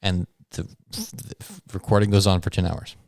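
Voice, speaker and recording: A man's voice: sits low, level tone, normal speed, vocal fry, darkish tone, dry recording. Male podcast co-host, trivia-game patter, jokey, dry close mic. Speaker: podcast co-host and quiz master. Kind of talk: casual podcast chat, hosting a trivia game.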